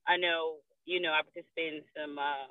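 A woman's voice: low voice, fairly even intonation, a little fast, no room sound. A woman chatting casually on a phone call while she drives, talking loosely with lots of "like" and "you know.". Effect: phone speakerphone while driving a car. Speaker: guest on a group call. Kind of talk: casual chat. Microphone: phone speakerphone in a car. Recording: tinny phone line from a moving car.

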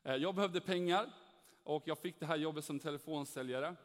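Earnest young man telling a faith testimony. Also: on the high side. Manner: earnest, animated, acts out dialogue. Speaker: speaker giving a testimony. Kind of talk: personal faith testimony, storytelling. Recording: echoey hall reverb.

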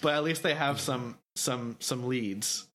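A man co-hosting a podcast in loose, casual chat. He agrees readily and talks in hesitant, halting bits. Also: medium pitch, fairly bright tone. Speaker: podcast co-host.

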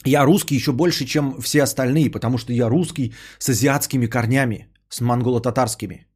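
Husky sarcastic ranting man. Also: mid-range voice, fairly even intonation, a little fast, a little mellow. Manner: sarcastic, indignant, swears a lot. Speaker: podcaster and streamer. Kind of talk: ranting monologue answering a viewer.

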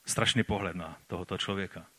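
A man preaching a sermon and reading scripture aloud, rising for emphasis and then dropping to slow, quiet lines. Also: deep voice, fairly even intonation, slightly rough.

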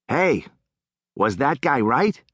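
A gruff, husky hot dog seller with a thick Boston accent, put on by a man reading an audiobook. He growls out short remarks at a stand outside a ballpark. The booth is dead dry. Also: mid-range voice, sing-song, takes it slowly, a bit bright, no echo, pitched above the performer's own voice, exaggerated voice. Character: burly husky-voiced father selling hot dogs.

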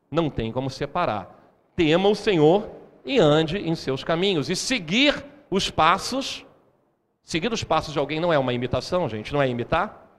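A man preaching a sermon, lively and often turning questions to the congregation. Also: a little high. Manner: animated, asks the congregation questions. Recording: hall reverb.

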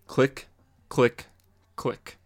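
A man co-hosting a podcast, narrating comic panels in plain, descriptive tones. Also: very slow. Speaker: podcast co-host.

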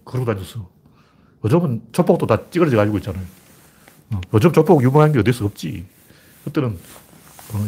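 An older man giving a rambling, blunt, rough-spoken commentary monologue in a casual way. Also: medium pitch, darkish tone.

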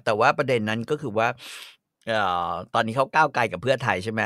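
A man's voice: mid-range voice, fast talker, a bit bright, no echo, clean studio sound. A man chatting bluntly and swearing casually as he talks about politics. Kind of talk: casual chat with karaoke singing.

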